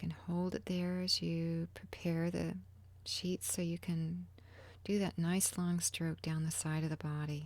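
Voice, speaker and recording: The woman's tone is soothing, and her pace is fairly slow. Her loudness swings widely. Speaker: massage therapist. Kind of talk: ASMR massage instruction. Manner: soothing, soft-spoken.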